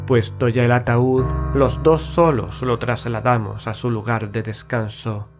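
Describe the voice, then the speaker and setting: A man narrating a gothic horror story in the first person, in a measured, grave, literary manner. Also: medium pitch, steady tone. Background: background music.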